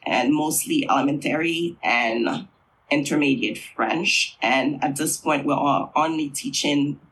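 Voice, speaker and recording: A middle-aged man from Haiti, a Creole language teacher, answering interview questions in an unhurried, thoughtful way with frequent fillers. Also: fairly high pitch, fairly bright tone, slightly rough, rough recording.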